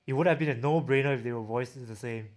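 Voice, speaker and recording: With a medium pitch and quick delivery, a man hosting a livestream chats informally while reading and replying to questions from viewers. He has a Singaporean accent and reviews audio gear.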